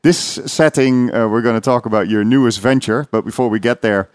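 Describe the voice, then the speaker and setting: A man hosting a podcast, asking relaxed, hesitant questions full of fillers. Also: medium pitch, a little fast, dry recording, clean studio sound. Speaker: podcast host. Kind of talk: casual interview chat.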